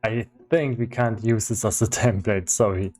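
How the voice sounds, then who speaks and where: A man doing casual livestream commentary as he works on game development, thinking aloud in a halting way. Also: lowish voice, fairly even intonation, music in the background. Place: indoors in his own room.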